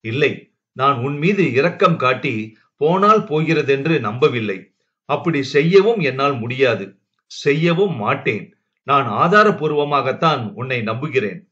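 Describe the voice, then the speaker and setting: A man voicing a calm, trusting husband who speaks in a steady, reassuring way. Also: medium pitch, a little slow. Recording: dull lo-fi recording.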